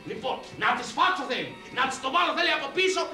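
A woman's voice: high-pitched, lively intonation, bright, forceful tone, recorded from a distance, faint music behind. Woman doing a blustering Cretan village husband. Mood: scheming. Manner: rustic, blustering, laughing. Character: bumbling middle-aged village husband. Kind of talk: comic sketch acting. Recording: roomy echoey room.

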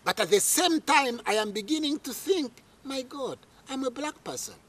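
A middle-aged man from Uganda, a guest in an interview, telling his life story in a dramatic, animated way, with many fillers, recorded outdoors under a tree on a lapel mic. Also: extremely high pitch, normal speed, a little hiss or hum.

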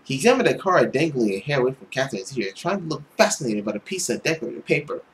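A man's voice: mid-range voice, sing-song, quick pace. A young man reading a visual novel aloud as a let's play host, reacting in a playful, exclamatory way. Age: young adult.

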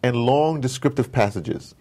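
An American man being interviewed, talking casually as an animated storyteller and often checking in with "you know". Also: medium pitch, unhurried. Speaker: interview guest, audio drama maker.

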